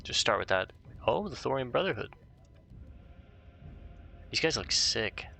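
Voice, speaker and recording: Let's play host, male, laid-back, gravelly low voice with a bright edge. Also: very animated, unhurried, slight background noise. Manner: laid-back, reads quest text aloud. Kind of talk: casual gaming commentary.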